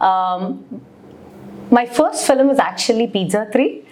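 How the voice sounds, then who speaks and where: A woman speaks with a Telugu accent. Her pitch swings very widely. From Dubai, UAE (Indian Telugu family). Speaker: actress. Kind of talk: interview, Tamil-English code-mixing. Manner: hesitant, many fillers.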